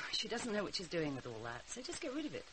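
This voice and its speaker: Weary, sarcastic mother, lively intonation. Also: on the low side, quick pace. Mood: dry, brittle. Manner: dry, sardonic, brittle. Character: weary, sarcastic mother of a rebellious teenage girl. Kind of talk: naturalistic radio drama acting. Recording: hissy radio drama recording.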